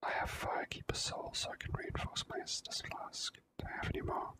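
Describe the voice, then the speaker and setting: A video game player giving whispered ASMR commentary in an unhurried, halting way, thinking aloud. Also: pushed and bright.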